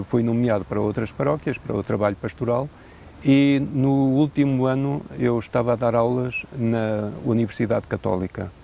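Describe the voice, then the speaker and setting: Portuguese priest with a gravelly voice. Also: male voice, mid-range voice, mellow. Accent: European Portuguese. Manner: measured, thoughtful, with hesitant fillers and a dry joke now and then. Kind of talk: unscripted interview answers.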